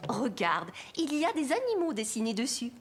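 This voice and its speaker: An actress playing a friendly, doting old lady in a children's cartoon, sweet, coaxing and expressive. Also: on the high side, moderate pace, slightly rough, faint music behind. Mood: patient. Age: older.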